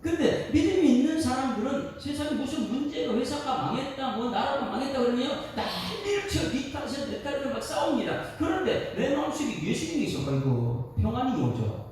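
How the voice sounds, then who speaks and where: Male pastor, dawn service sermon, lively pitch, slightly high, acts out quoted voices; echoey hall, mic far off. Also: fairly quick, few pauses, a little hiss or hum.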